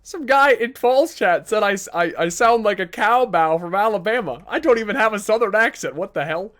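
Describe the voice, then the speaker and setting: A young man with a Midwestern American accent, talking in a slightly high voice over a headset. His gaming chatter rambles along cheerfully, and he laughs easily. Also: animated, brisk, fairly bright tone. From North Dakota, USA. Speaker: gaming video host. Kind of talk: casual gameplay chat and commentary.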